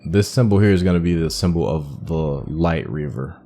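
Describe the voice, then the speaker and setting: A man's voice: rumbling low, expressive, normal speed, mellow, slight background noise. A man giving casual, informal playthrough commentary as a gaming video host, thinking aloud as he goes.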